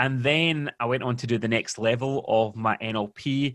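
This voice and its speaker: A man speaks with a Glasgow accent on a very clean recording with a silent background. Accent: Scottish (Glasgow). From Scotland, Glasgow. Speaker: business and mindset coach. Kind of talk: casual interview chat.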